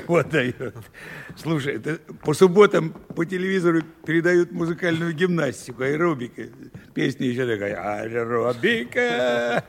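Brisk prison major, highish gravelly voice, jovial yet stern, echoing hall, audio play. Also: male voice, expressive. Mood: jovial teasing. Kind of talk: lively audio drama dialogue. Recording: reverberant hall with faint noise.

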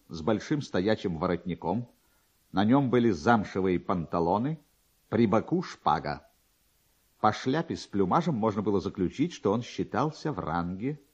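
A man narrating a literary story in a theatrical, expressive manner. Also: lowish voice, slightly rough, lo-fi sound.

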